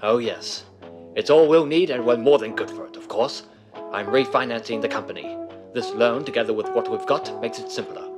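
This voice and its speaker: A man's voice: medium pitch, moderate pace, over music, close to an everyday voice. A man playing a confident, reassuring businessman husband in a 1930s-style radio drama. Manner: breezy, reassuring.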